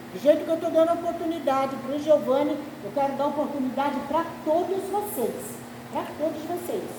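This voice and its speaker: A woman with a high-pitched voice. There is audible echo in the room and noticeable noise in the background. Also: ordinary pitch variation, moderate pace. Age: 60s. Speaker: Bible teacher. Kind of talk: lecture.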